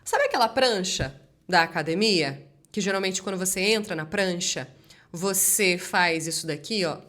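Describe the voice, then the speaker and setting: A woman speech therapist teaching a voice exercise lesson in an energetic, direct coaching manner. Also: fairly low pitch, moderate pace.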